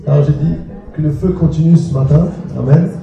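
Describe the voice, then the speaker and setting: A man, a pastor, warmly introducing a guest preacher to his church. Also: a little high, fairly even intonation, brisk, gravelly, highs cut off. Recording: echoey church hall, distant mic, faint music.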